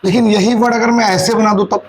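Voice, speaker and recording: High-voiced man teaching maths. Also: steady tone, fast talker, rough recording. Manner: asks and answers his own questions; mixes English maths terms into Hindi. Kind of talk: classroom lecture.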